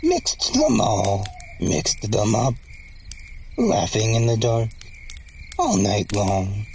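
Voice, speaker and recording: Crazy raider lady, super slow creepy singsong, noisy ambience behind, dark podcast drama. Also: a bass voice, very animated, exaggerated voice. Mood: dreamy madness. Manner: sing-song fragmented rhymes, cackling, theatrical. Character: mad, gleeful raider woman, eerie and sing-song. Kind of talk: dark audio drama acting.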